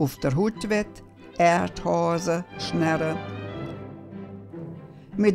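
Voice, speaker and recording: With music in the background, a woman with a fairly low pitch speaks at a very slow pace with a Banat accent. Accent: Banat Swabian dialect. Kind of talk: poetry reading.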